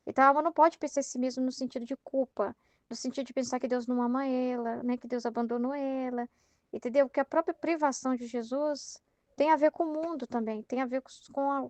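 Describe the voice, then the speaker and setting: High-voiced Brazilian woman leading a study. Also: a little mellow, dry recording. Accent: Brazilian Portuguese. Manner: conversational, many fillers like "né". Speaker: Catholic study leader. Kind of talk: reading and commenting on a religious text.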